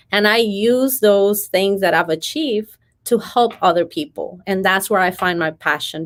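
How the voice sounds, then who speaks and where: Venezuelan lady with spanish accent, slightly low voice, earnest careful talker telling her story as a guest. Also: fairly bright tone. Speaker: podcast guest, motivational speaker. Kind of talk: personal storytelling in an interview.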